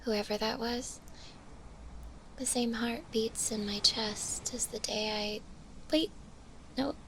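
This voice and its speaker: Gentle undead zombie girl for ASMR roleplay, woman performer: whispery, bashful, hesitant, higher-pitched, with creaky vocal fry. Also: fairly even intonation, a little hiss or hum, exaggerated voice. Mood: insecure, musing. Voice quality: soft, breathy, often whispering. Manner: hesitant, bashful, halting with small giggles.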